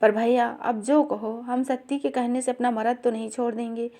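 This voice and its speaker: A woman reading the part of a meek hunchbacked older woman in a spoken story, speaking in a soft, pleading way. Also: a little high, steady tone, normal speed, close to an everyday voice. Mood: earnest.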